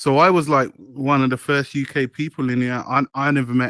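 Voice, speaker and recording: A medium-pitched man with a British accent and a bright, sharp tone, at a moderate pace, in a dry, close sound with no echo. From UK. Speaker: virtual world builder and event host. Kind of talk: casual interview chat.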